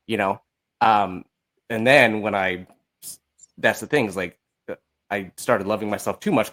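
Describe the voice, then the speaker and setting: Male podcast guest, low-pitched, informal and unscripted, often feeling around for the right word. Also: a bit bright. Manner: informal, hesitant, searching for words. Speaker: podcast guest, musical creator. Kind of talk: casual interview chat.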